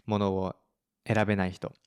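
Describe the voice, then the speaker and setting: A man hosting a language-lesson podcast, explaining word usage in a relaxed way and mixing in English examples. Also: deep voice, measured pace, clear, resonant tone. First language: Japanese. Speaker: Japanese teacher, podcast host.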